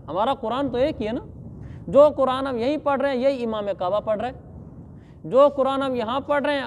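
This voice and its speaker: A man giving a religious lesson on Quran commentary, reciting verses slowly and then explaining them plainly. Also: extremely high pitch, a little mellow, big-room sound. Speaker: Islamic scholar teaching Quran commentary.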